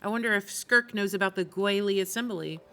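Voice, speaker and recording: A woman's voice: mid-range voice, fairly quick, a bit bright. A woman streamer giving casual commentary as she plays a game. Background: game music.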